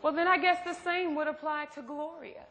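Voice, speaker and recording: An actress playing a bold, teasing, bossy best friend with a sharp tongue in a stage play. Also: female voice, high-pitched, fairly even intonation, normal speed. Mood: cutting, sassy. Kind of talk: theatrical stage play acting. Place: stage in a theatre hall. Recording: echoey theatre hall, faint noise.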